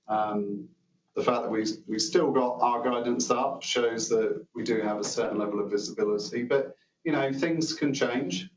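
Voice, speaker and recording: A man answering analysts as a company executive on an earnings call, in measured, careful business talk. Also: on the low side, slight background noise. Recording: dull, roomy conference call, distant mic.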